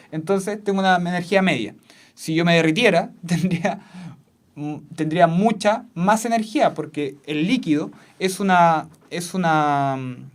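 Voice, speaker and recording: A substitute physics teacher, teaching a class in a classroom. The teacher repeats key points and keeps checking in with the students. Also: medium pitch. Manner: repeats key points, checks in with frequent questions, laughs easily. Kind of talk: classroom lesson. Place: classroom with a whiteboard.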